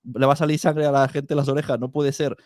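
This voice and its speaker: A man's voice: mid-range voice, level tone, fast talker, darkish tone, no echo, studio quality. A man with an accent from Spain, talking casually in an interview conversation about his own working experience. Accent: Spain Spanish.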